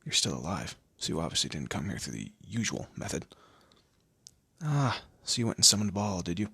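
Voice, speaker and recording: A man performs a smug male demon lord for an audio roleplay. His low voice is husky and swoops with theatrical condescension. He is proud and teasing, as if torment were office work. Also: very animated, fairly quick, bright, forceful tone, no echo, full character voice. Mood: amused, curious. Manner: theatrical, condescending, drawling, with amused asides. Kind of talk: scripted audio roleplay addressed to the listener.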